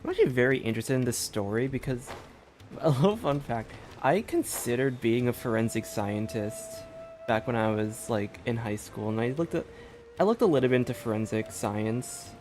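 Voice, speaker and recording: A man's voice: mid-range voice, animated, moderate pace, a little mellow, faint music behind. A man streaming a game and chatting casually in a rambling, hesitant way. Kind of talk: casual livestream chat.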